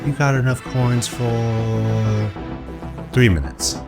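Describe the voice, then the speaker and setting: A man playing a guarded, smooth-talking black-market hacker in a radio drama, flattering and furtive. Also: mid-range voice, slow, lightly acted. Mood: matter-of-fact. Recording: music under the voice.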